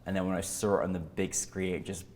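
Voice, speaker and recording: A man's voice: low-pitched, flat delivery, fast, darkish tone. A man hosting a film interview, effusive and enthusiastic, rambling as he praises the film. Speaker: interview host. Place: indoor venue.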